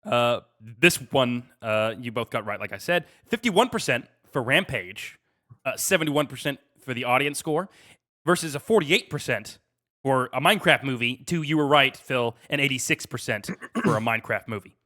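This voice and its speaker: Man, mid-pitched, bright forward voice, casual quizmaster delivery, conversational podcast banter. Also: animated, moderate pace. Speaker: podcast host running a quiz.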